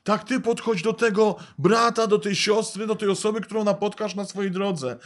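Man preacher, high voice, earnest and repetitive sermon delivery. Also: steady tone, normal speed. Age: adult, father of young children. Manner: earnest, repetitive emphatic phrasing.

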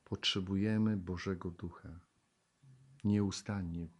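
A man preaching a sermon, reading Bible verses aloud and explaining them. He asks the congregation questions and often laughs, moving from loud exclamations to hushed tones. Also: low-pitched, fairly even intonation, takes it slowly.

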